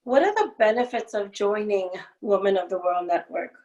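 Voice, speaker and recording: A woman podcast host who leads a calm guided meditation and then asks interview questions. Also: mid-range voice, muffled recording. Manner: soothing, slow guided breathing.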